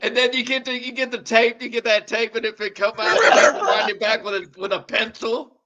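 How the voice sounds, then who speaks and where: A man's voice: extremely high pitch, level tone, brisk, over a noisy crowd. A man co-hosting a talk show in casual chat. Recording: dull audio with clear noise.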